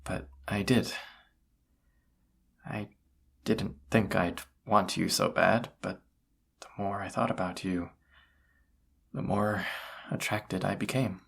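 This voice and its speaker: A young man playing a flustered, lovestruck incubus in an intimate romantic audio roleplay, speaking haltingly in a breathy, husky voice. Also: fairly low pitch, fairly even intonation, fairly bright tone, exaggerated voice. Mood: nervous, confessing. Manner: halting, hesitant delivery with stammers.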